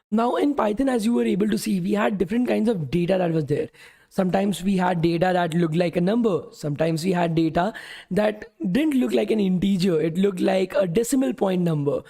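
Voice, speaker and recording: Young man, coding instructor, strained tired voice, mellow dark tone, casual, fillers like okay and guys. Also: high voice, vocal fry. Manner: casual, repeats "okay" and "guys", answers chat questions. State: strained voice from talking all day. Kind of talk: live-streamed coding lesson.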